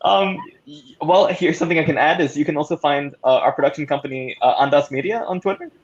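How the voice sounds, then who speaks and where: A man with a fairly high voice, heard through slightly muffled online call audio. He chats casually as a panelist, feeling his way through his sentences. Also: fast talker, noisy background. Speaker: panelist, audio drama producer.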